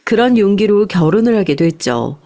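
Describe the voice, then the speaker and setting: A woman's voice: medium pitch, sing-song, moderate pace, warm tone. A woman reading a scripted first-person life story aloud as a narrator.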